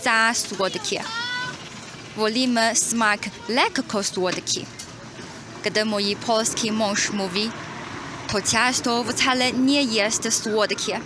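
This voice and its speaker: A woman's fairly high voice in a Chinese accent, very slow with long, frequent pauses, very even in loudness and fairly even in intonation, over music in the background. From China. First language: Chinese (speaking Polish). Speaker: vlogger. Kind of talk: scripted explainer video. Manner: halting, with hesitations.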